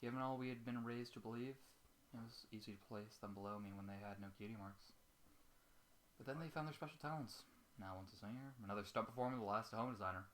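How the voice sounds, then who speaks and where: A man's voice: fairly low pitch, quick pace, fairly bright tone, slight background noise, natural voice, low-quality recording. A man reading as a weary, sorrowful young schoolgirl pony in a storybook, subdued and resigned. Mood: wistful, regretful.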